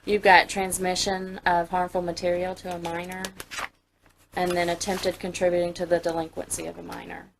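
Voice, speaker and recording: A woman's voice: on the low side, completely flat delivery, normal speed, vocal fry. An American woman, a police investigator, questioning a suspect in a direct, pressing way. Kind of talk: police interrogation. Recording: noisy interview room audio.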